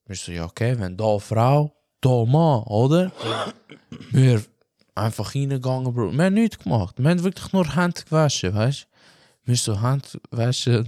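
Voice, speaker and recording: In a dry recording with clean studio sound, a medium-pitched young podcast host tells a casual story. Albanian and originally from Macedonia, he has a Swiss German accent and an animated, slangy delivery sprinkled with frequent filler tags.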